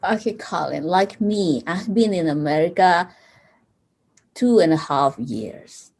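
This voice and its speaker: Slow-speaking woman with a strong East Asian accent. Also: on the low side, lively intonation, a little mellow. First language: non-native English speaker. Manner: halting, searching for words. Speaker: language student. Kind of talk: casual interview questions.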